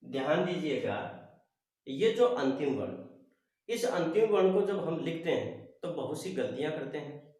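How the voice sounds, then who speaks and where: A man teaching a Hindi grammar lesson online, slowly reciting the letters one by one. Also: on the high side, sing-song, a little mellow. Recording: very echoey room.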